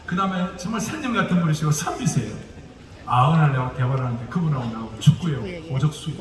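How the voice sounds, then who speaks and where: A male pastor with a Gyeongsang dialect gives a lecture-style sermon, joking and putting rhetorical questions to the audience. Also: sits high. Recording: echoey hall, distant mic, noisy.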